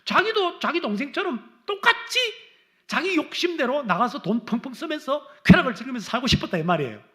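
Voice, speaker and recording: Animated, bright-voiced male pastor preaching. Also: fairly quick. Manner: dramatic, acts out complaints in raised voice, then drops low. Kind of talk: sermon.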